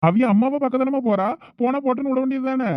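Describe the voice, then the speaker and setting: Someone playing an irritated college son, very fast. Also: sits high, no room sound, muffled recording, natural voice. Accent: Thoothukudi Tamil. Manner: irritated, argumentative. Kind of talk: village comedy skit.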